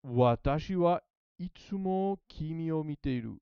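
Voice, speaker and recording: Non-native male learner thinking aloud, slightly high voice, dry and muffled. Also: expressive, measured pace, clean tone, dry recording. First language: not Japanese. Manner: hesitant, repeats phrases while translating. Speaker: language learner. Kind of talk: casual study vlog, thinking aloud.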